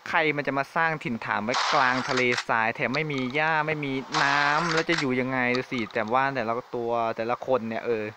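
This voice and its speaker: A man giving jokey, excitable commentary while playing a shooting game, exclaiming often. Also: mid-range voice, a little fast, hardly any pauses, noisy background. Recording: game sounds and gunfire behind.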